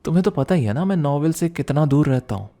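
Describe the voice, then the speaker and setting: A man playing a young student boyfriend, teasing and protective, in an intimate ASMR roleplay with a soft conversational delivery. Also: on the high side, animated, quick pace. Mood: teasing, confused.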